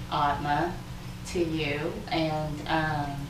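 A woman speaks at a very deep, low pitch amid noticeable background noise and audible room echo. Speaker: interviewer, center host. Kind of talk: interview introduction. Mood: warm, reverent, slightly hesitant. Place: home room. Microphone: camera far.

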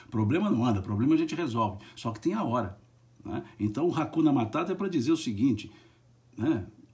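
Pitch swinging very widely, a man delivers his lines at a fairly quick clip. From Minas Gerais, Brazil (São Gotardo); Minas Gerais, Brazil. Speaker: spiritist study leader. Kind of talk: lecture. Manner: frequent filler 'né'. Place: home room. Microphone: webcam.

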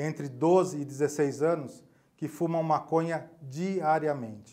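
Over a quiet background, a man with a Paulista accent speaks at fairly high pitch with fairly even intonation. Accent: Paulista Brazilian Portuguese. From São Paulo, Brazil. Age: 40s. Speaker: police officer and drug prevention speaker. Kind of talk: casual interview. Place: studio.

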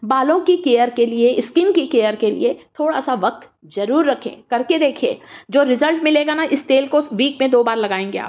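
A woman speaks in an animated tone with a high pitch. Her pitch variation is ordinary. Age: 50s. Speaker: home remedy video creator. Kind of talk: tutorial.

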